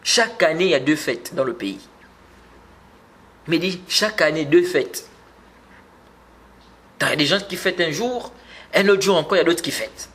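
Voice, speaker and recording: A man's voice: a little high, expressive, moderate pace, pauses often, fairly bright tone. A man giving a religious lesson, explaining patiently, repeating words and rising when he stresses a point. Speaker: Islamic teacher.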